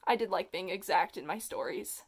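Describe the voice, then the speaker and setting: Young vlogger with a feminine voice, comedic reading of their own childhood story, self-mocking, big outbursts. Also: female voice, mid-range voice, a little fast, husky.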